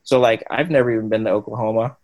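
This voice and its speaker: A man's voice: lowish voice, fairly even intonation, quick pace, muffled recording, heavy background noise. A young man giving an interview, speaking thoughtfully with frequent ums and restarts. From Washington State and Cambodia. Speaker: guest. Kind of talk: conversational interview.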